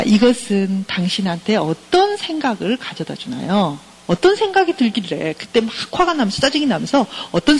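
A woman's voice: medium pitch, darkish tone, husky, low-quality recording. A middle-aged woman professor giving a counseling lecture, engaging her listeners by keeping on asking them questions.

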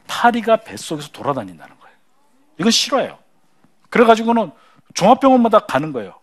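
High-pitched, animated male lecturer. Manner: acts out dialogue in changing voices; asks the audience questions. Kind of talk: lively storytelling lecture.

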